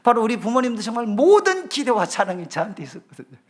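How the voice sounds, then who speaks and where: A middle-aged man delivers a revival sermon from the pulpit. His pitch rises and falls freely as he acts out prayers and answers in quoted voices. The delivery stays earnest and expressive throughout. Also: fast. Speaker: pastor.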